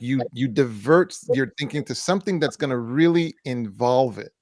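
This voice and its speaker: Man, talk show co-host, higher-pitched, deliberate, repeats his points. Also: dry recording. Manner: measured, repeats key phrases for emphasis. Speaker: co-host, doctor answering viewer questions. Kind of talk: faith-based mental health talk show.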